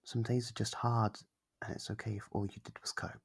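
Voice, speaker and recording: Man playing a gravelly, soft-spoken kindly demon. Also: little pitch movement, brisk, exaggerated voice. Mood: encouraging, tender. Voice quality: low, gravelly, husky. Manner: soft-spoken, hesitant, reassuring. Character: kindly, apologetic sleep paralysis demon, gentle and shy. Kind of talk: ASMR roleplay monologue, soft and close.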